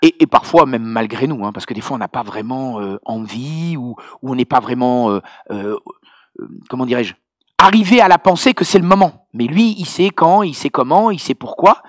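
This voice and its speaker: A man preaching as pastor, telling a personal testimony in an animated, hesitant way full of fillers. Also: mid-range voice, moderate pace, no room sound, clean studio sound. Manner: hesitant, many fillers and restarts, animated storytelling.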